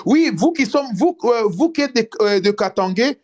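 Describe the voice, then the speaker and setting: A man speaks as a guest in a casual live video chat with a high voice. He talks earnestly but haltingly and often restarts his sentences. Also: lively intonation. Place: in France.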